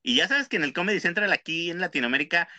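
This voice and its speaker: A man's voice: fairly high pitch, animated, fast talker, sharp tone, no room sound. A man with a Mexican accent, casually chatting as a podcast co-host, rambling and slangy, tagging lines with tag questions. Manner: slangy, rambling storytelling with frequent "¿no?". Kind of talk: casual chat.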